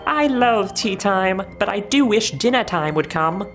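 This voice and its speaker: A woman's voice: medium pitch, lively intonation, unhurried, faint music behind, voice pushed down. A woman voicing a rude, fussy, odd hare in a children's storybook, blunt and grumbling. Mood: grumpy.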